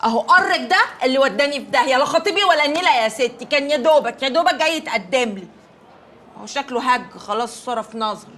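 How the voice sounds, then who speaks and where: High, quick, stubborn young teacher in comic banter, faint score under. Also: female voice, lively intonation, a bit bright. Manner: chatty, defensive, comic. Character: proud young woman teacher, lovesick and stubborn. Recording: TV drama with faint music.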